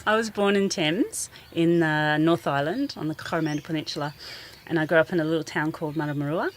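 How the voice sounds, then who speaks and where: New woman, low voice, earnest garden teacher, faint outdoor hiss. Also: a little fast. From New Zealand. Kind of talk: radio interview, outdoor.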